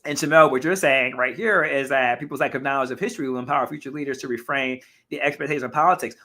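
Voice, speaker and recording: A man hosting a live talk show, chatting casually and reacting to viewer comments, his voice a little hoarse and his delivery animated with frequent self-corrections. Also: medium pitch, quick pace. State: slightly hoarse.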